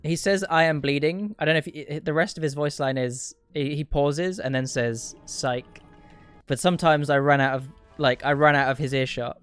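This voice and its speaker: A man's voice: a little high, steady tone, fairly quick, few pauses, smooth. A man giving casual livestream speedrun commentary in a dry, rambling, sweary way. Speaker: video game speedrunner and streamer. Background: game music.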